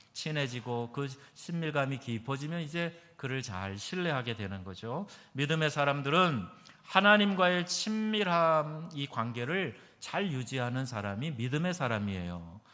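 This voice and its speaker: A man, a pastor, preaching a sermon emphatically, asking his congregation questions and moving between loud stresses and soft asides. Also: fairly high pitch. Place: church sanctuary. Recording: long hall reverb.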